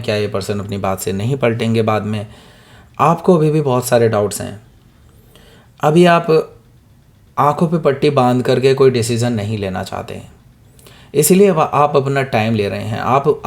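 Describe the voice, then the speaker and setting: A man with a hoarse throat giving a weekly tarot reading, talking straight to the viewer, often checking in with "okay?" and mixing in English words. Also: mid-range voice, darkish tone. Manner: keeps asking "okay?" to the listener, mixes in English words. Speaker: tarot reader.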